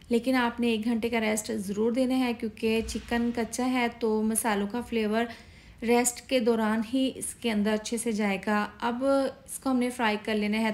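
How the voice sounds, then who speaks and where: Pakistani woman narrating a recipe. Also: on the high side. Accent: Pakistani Urdu. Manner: steady step-by-step instructing. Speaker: cooking channel host. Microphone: voice-over.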